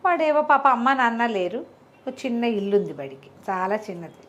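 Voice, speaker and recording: Female oral storyteller, slightly high pitch, colloquial and conversational with animated asides. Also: normal speed. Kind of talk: conversational oral storytelling of a folk moral tale.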